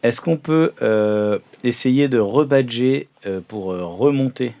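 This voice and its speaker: A man's voice: mid-range voice, takes it slowly, warm tone. A man with a French accent talking casually as a role-playing game player, hesitant, often trailing off and restarting. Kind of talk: casual improvised table talk.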